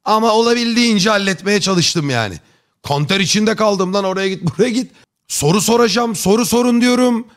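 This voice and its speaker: A man's voice: high voice, expressive, a little fast. Joking, chummy male streamer. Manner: joking, rambling, chummy slang. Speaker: live streamer chatting with viewers. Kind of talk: casual chat.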